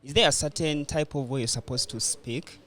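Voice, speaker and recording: A man's voice: fairly high pitch, brisk, bright, forceful tone. A man asking and talking casually in a podcast discussion.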